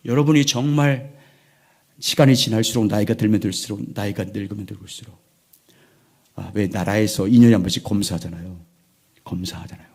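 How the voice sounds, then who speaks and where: An older man in his sixties preaches in a church in a low, gravelly voice with a husky edge. He pushes some lines out loudly and lets others sink to a hush. The tone stays earnest and pastoral throughout. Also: fairly quick, pauses often. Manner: preaching that swings between loud emphasis and hushed, near-whispered lines. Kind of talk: sermon. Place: church sanctuary.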